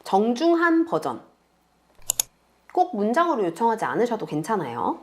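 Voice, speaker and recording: A woman teaching beginners step by step in a calm, patient screen tutorial, speaking close to the mic. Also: fairly high pitch, slight background noise. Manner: patient, explains slowly to beginners. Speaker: online tutor.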